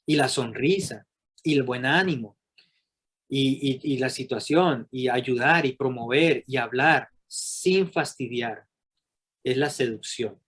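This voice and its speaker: A middle-aged man giving a Catholic leadership workshop to a live group, animated and often checking in with the audience. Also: mid-range voice, slow, husky. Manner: animated, asks the audience rhetorical questions.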